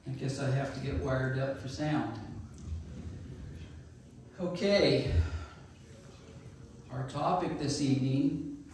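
Loud folksy man in an echoey hall. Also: medium pitch, steady tone, slow pace, pauses often, slight background noise. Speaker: church speaker. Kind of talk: informal sermon talk. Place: church sanctuary. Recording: echoey church hall, distant mic.

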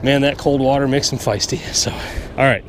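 A man's voice: mid-range voice, fairly even intonation, normal speed. A man in his thirties hosting a fishing vlog from a small boat on a lake, chatting upbeat about his gear. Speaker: fishing show host. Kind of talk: casual outdoor fishing vlog. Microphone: action camera on the boat. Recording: wind and water noise outdoors.

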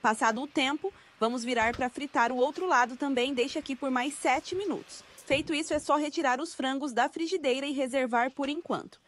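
A woman's voice: high voice, slight background noise. A Brazilian woman reading a scripted cooking tutorial as a voice-over. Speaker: recipe video narrator.

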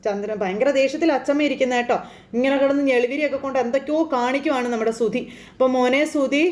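Fast, high-voiced woman recapping a serial. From Kerala, India. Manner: animated, chatty, tag questions. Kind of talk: casual plot retelling.

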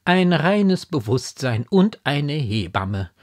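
A proud, stern aristocratic mother exclaims in indignant, elevated phrases, as a man reading a storybook puts her on. The voice rises above his own and sounds slightly husky. The pitch sweeps up and down with each outburst. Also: very animated, takes it slowly, a little mellow, heavily acted.

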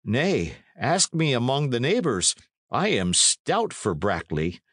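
A man's voice: medium pitch, wildly swooping pitch, slow, a bit bright, slightly rough, no room sound, studio quality, pitched above the performer's own voice, heavily acted. A man voicing an ingratiating innkeeper in a storybook, earnestly protesting his loyalty in fawning, archaic speech.

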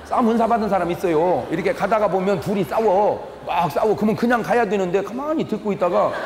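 A man's voice: sits high, fast, a little mellow, a little hiss or hum. An older man preaching a humorous revival sermon as a pastor, telling folksy stories, quizzing the audience and acting out family quarrels. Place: large church hall. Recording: echoey hall with long reverb.

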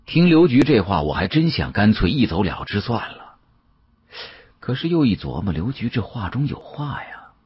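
A man narrating an audiobook in the first person, dramatic, expressive and musing. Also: fairly low pitch, moderate pace, husky, no echo, muffled recording.

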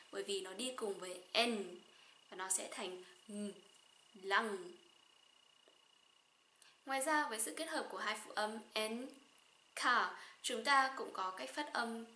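A young woman from Vietnam with a Northern Vietnamese accent, teaching a slow pronunciation lesson and saying each example word twice. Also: on the high side, sharp tone, reverberant. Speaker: German teacher.

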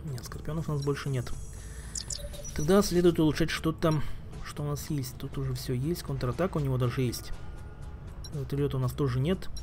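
A man's voice: medium pitch, fairly quick, a little mellow, soft background music. A man giving casual gameplay commentary as a streamer, thinking aloud and muttering asides while he plays. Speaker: game streamer.

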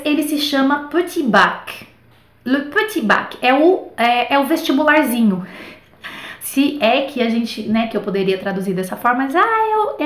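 A woman's voice: high-pitched, roomy sound. A Brazilian woman giving a casual, chatty online French lesson, peppering her talk with little fillers. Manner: chatty, animated, many fillers like tá and né. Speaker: French teacher.

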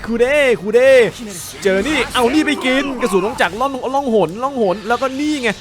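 Over loud background game music, a man with a very high voice commentates a fighting game a little fast. His excited Let's Play is full of yelling and repeated words in the fights, and his throat sounds slightly sore.

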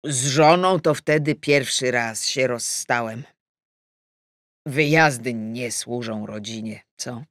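A man's voice: mid-range voice, slow pace, a bit bright, dry recording, studio quality, voice pushed down. A woman reading an audiobook, voicing a tipsy, boastful middle-aged man who rambles folksily about his past. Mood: nostalgic.

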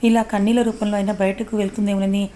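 A woman voicing an angry young husband who shouts threats over the phone, speaking in her own mellow, even voice. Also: mid-range voice, racing, slight background noise, close to an everyday voice. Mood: grieving. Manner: shouting threats, then sobbing confession. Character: angry young husband searching for his wife.

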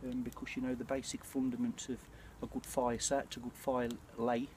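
A British man in his forties chatting casually and reflectively to camera, with a hesitant, throat-clearing delivery. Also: mid-range voice, level tone, brisk, a little mellow. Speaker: bushcraft vlogger. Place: outdoors at night by a small campfire. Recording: clear ambient noise of an outdoor campfire.

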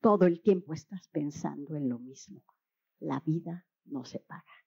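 A woman's voice: low voice, moderate pace, vocal fry, dark tone, slightly rough, heavily acted. A woman voicing a sensible young schoolgirl who scolds a classmate, in a children's story. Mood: scolding. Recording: dull lo-fi recording.

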